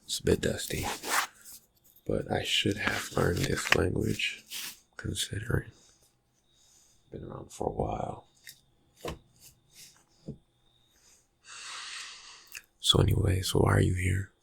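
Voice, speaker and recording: A man playing a reclusive, slyly menacing vampire friend in an ASMR roleplay, murmuring haltingly in a raspy, breathy voice with dry suspicion. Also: sits low, very animated, a bit bright, a little hiss or hum, heavily acted. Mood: soft, musing. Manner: hesitant, halting, laconic, dryly suspicious. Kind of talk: ASMR roleplay, soft-spoken character talk.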